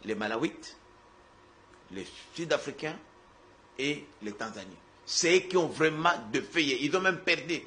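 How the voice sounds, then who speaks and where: A man speaking as a guest on a political TV debate, deliberate and searching for names with frequent hesitations. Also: a little high, expressive, bright, forceful tone. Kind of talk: studio debate talk. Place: TV studio.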